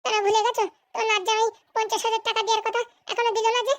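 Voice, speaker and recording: A woman's voice: extremely high pitch, little pitch movement, very fast. A woman voicing a pert, insistent young married granddaughter in a comic cartoon. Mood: bossy, impatient.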